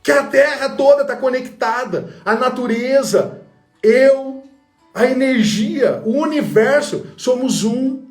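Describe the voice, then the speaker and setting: Brazilian man, high voice, public speaking coach; roomy sound, soft music underneath. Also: takes it slowly. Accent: Brazilian Portuguese. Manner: animated storytelling, acting out quotes. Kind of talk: motivational online lesson.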